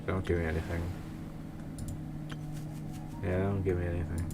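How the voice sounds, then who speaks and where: A man's voice: low-pitched, little pitch movement, normal speed, very noisy. A man chatting casually as he streams a game, rambling and often repeating himself. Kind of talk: casual livestream chat.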